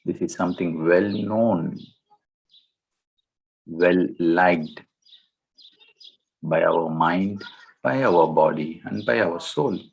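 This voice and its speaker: A man guiding a meditation in a gentle, deliberate way, speaking in short phrases with long pauses between them. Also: low-pitched, creaky, breathy edge, poor audio. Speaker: meditation guide. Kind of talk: guided meditation instruction.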